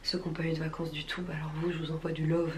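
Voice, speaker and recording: A French woman chatting casually in a vlog, her voice husky with a smoker's rasp. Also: sits low, little pitch movement, rapid-fire, a little mellow, roomy sound, slight background noise. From France, from Rouen. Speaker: vlogger.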